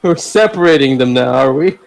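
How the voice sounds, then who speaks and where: A man's voice: medium pitch, lively intonation, a little fast, creaky, rough recording. A man hosting a podcast in a casual group chat, joking in a crude, exaggerated way. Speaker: podcast host and reader.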